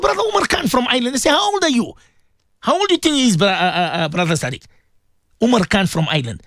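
A man's voice: high voice, a bit bright, dry recording, clean studio sound. A middle-aged man hosting a religious radio show, talking to listeners in an emotional, pleading way and often repeating himself.

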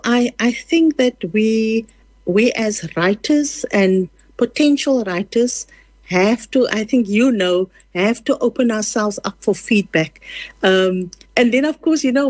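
A woman's voice: on the high side, expressive, measured pace, a little mellow, dry recording. A woman whose first language is Afrikaans, speaking with a South African Afrikaans accent, talking earnestly as a writer in an interview, with many fillers and restarts. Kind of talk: casual conversational interview.

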